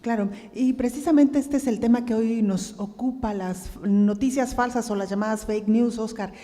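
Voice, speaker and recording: A woman's voice: on the high side, moderate pace, mellow. A woman moderating a panel courteously, introducing and prompting guests in a polite style. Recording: long reverb of a hall.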